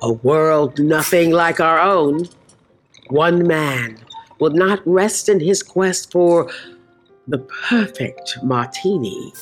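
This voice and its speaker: A woman narrating a scripted trailer in a measured, storytelling manner. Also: deep voice, soft background music.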